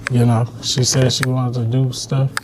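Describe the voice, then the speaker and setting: A man's voice: mid-range voice, monotone, normal speed. Hesitant man in his thirties. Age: 30s. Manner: hesitant, mumbling, defensive. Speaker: confronted man. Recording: noisy ambient background.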